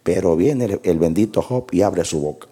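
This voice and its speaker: A man's voice: sits low, moderate pace, warm tone, husky. A man preaching a sermon, reading scripture aloud and commenting on it with rhetorical questions and repeated words for emphasis.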